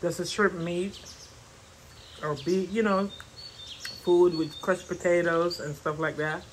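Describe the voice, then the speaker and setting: A man's voice: sits high, fairly even intonation, takes it slowly, slight background noise. A man talking casually to his viewers while chewing a mouthful of food, addressing them as guys. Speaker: vlogger. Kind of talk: casual mukbang chat to camera.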